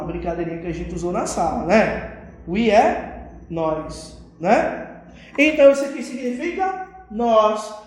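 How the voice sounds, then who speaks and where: A woman's voice: on the high side, a little mellow. Echoey Brazilian woman teaching kids. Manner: patient, keeps checking understanding with tag questions. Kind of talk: recorded video lesson for children. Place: classroom with a whiteboard. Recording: very echoey room.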